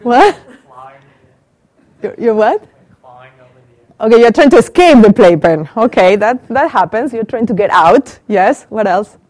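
A woman's voice: on the high side, lively intonation, a little slow, long pauses, a little mellow, no echo. A middle-aged woman from Argentina with an Argentine Spanish accent, giving an interactive lecture to a small group and asking the audience questions. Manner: asks the audience questions and repeats their answers. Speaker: professor giving a talk. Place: small room with a live audience. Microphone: handheld mic.

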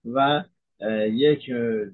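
Man explaining medicine over a tinny line. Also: medium pitch. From Iran. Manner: measured, explains terms, frequent hesitations. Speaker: physician giving health talk.

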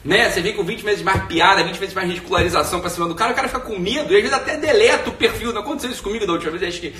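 A quick, bright-voiced man with a Brazilian Portuguese accent rambles casually through a live stream from home. He speaks a little above the usual male pitch and sits back from the mic in an echoey room. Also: recorded from a distance. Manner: rambling, slangy, tags sentences with "né".

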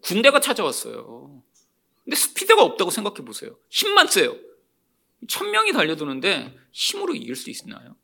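A male pastor preaching an expository sermon, animated and often calling out to the congregation. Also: high-pitched, moderate pace, creaky.

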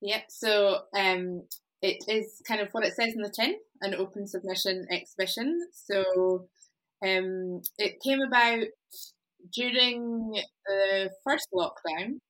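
A woman curator explaining an exhibition in conversation, pausing often with ums. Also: medium pitch, steady tone, a bit bright, low-quality recording. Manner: hesitant, many ums.

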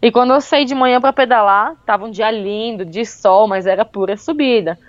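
A woman tells a travel story in a casual, chatty way, full of fillers. Her voice sits a little high. The recording is close and dry, with a slightly dull, muffled tone. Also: normal speed, dry recording. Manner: lively, with many fillers like "tipo" and "meu". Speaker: guest telling a travel story.

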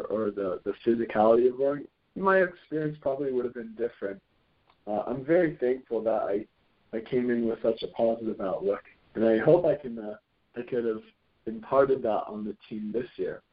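A man in his twenties, a college rowing captain, giving thoughtful interview answers and often restarting his phrases. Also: medium pitch. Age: 20s. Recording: tinny phone-like line.

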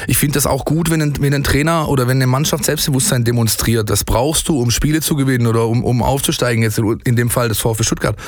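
A man co-hosting a studio podcast, talking casually with a joking, quick back-and-forth manner. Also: mid-range voice, dry recording. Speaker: podcast co-host. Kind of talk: casual chat.

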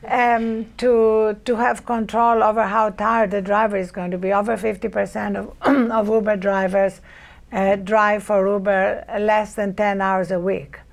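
A woman with a Greek accent speaking on a panel, pausing often with fillers. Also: mid-range voice, flat delivery, creaky. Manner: halting, many fillers. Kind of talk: panel discussion.

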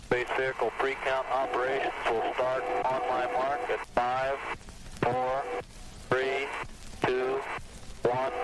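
Man on a factory loudspeaker, monotone. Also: mid-range voice, slow, long pauses, heavy background noise. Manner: flat official countdown. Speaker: launch announcer.

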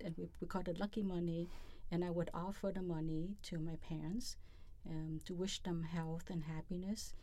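A middle-aged woman from Vietnam, speaking earnestly and haltingly in a personal interview. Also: lowish voice, dark tone. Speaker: interviewee, federal employee.

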